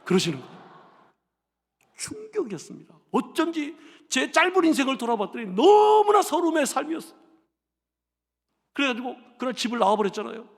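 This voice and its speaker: Male pastor, sermon; high, gravelly delivery, storyteller who slips into character voices; church hall reverb. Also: sing-song, fairly quick. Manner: storytelling, acts out family voices, builds to shouted exhortation. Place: church sanctuary.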